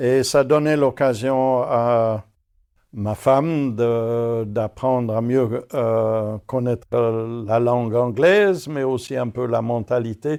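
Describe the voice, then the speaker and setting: A man speaks at a very slow pace, his voice at a medium pitch with a dark, mellow tone. The background is quiet. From Africa, English father and Swiss mother. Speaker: retired Salvation Army officer. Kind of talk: interview testimony. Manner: hesitant, many fillers.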